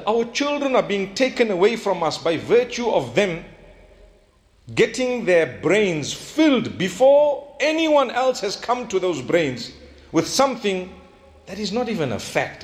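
A man preaching an Islamic sermon. He tells stories animatedly, acts out bits of dialogue and slows down to stress his key points. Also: high voice. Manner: animated storytelling, acting out quoted dialogue.

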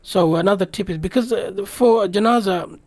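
In this radio interview, a British guest whose first language is English recalls a journey in a thoughtful, wandering, sincere way. He has a high, somewhat dark voice and keeps a moderate pace, with no echo on the sound.

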